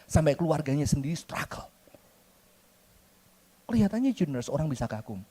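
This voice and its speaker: Jakarta-accented male preacher, slightly high voice, animated and joking, slangy sermon. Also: fairly quick, husky. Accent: Jakarta Indonesian. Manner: animated, joking storyteller who mixes in slang and English words. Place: church.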